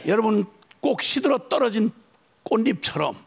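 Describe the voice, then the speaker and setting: A middle-aged male missionary preacher with a high, lively voice that climbs into fervent cries. His tone is gravelly and husky. He speaks at a church worship service and leads the congregation in shouted proclamations. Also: normal speed. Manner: rising fervent cries, playful asides. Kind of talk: sermon.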